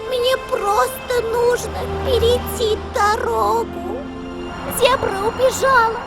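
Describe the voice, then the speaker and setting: An actor voicing an impulsive, naive little girl in an educational children's cartoon, exclaiming and pleading. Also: very high voice. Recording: loud music behind the voice.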